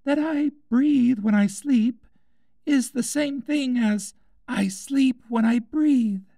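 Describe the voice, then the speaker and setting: A man's voice: very high-pitched, vocal fry, mellow, no room sound, voice pushed up, heavily acted. A man voicing a small sleepy dormouse in a storybook, murmuring drowsily as if half asleep. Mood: drowsy. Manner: drowsy, drawn-out delivery.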